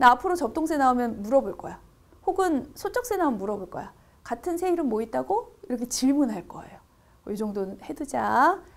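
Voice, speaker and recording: Pitched high for a woman, her voice moves at a fairly quick pace with very wide pitch swings and big swings in loudness. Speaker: Korean language academy teacher. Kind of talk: lecture. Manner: fast.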